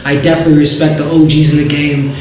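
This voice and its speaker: A man's voice: on the high side, quick pace. Laid-back young man in an echoey bar. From Zimbabwe. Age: 20s. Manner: relaxed, easygoing, many fillers. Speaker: musician guest. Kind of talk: casual interview. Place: sports bar with music playing. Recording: roomy echo with loud music behind. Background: hip hop music.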